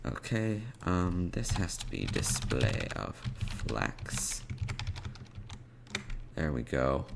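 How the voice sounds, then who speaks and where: A man with a low, gravelly voice talks through a programming tutorial in halting fragments, thinking aloud as he goes. Keyboard clicks and typing sit behind him, along with some background noise. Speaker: web development tutorial host. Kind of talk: informal screencast coding tutorial, explaining steps while typing. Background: computer keyboard typing and clicks.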